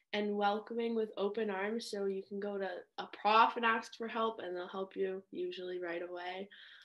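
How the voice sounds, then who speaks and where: A woman with a plain, everyday voice, fairly high in pitch, with ordinary pitch variation. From Tweed, southern Ontario. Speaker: university student. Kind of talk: webinar panel talk.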